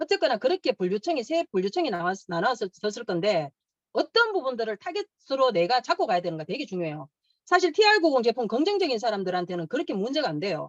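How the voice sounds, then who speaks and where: A woman talks at a very fast pace and a fairly high pitch, her pitch swinging very widely in a dry, close sound with no echo. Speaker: network marketing distributor giving training. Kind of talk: sales training talk.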